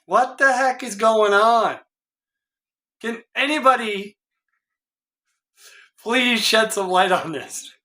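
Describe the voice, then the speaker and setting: A middle-aged man with a hoarse voice, a guitar tech in a casual vlog, puzzled and exasperated as he thinks aloud in his home workshop. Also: high-pitched, slow, long pauses, pushed and bright. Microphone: camera a few feet away.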